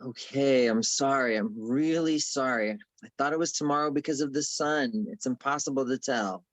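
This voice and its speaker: A man's voice: medium pitch, normal speed, a bit bright, close to an everyday voice. A man at a table read playing a sheepish, apologetic young boyfriend over a roomy, muffled video call. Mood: apologetic, coaxing.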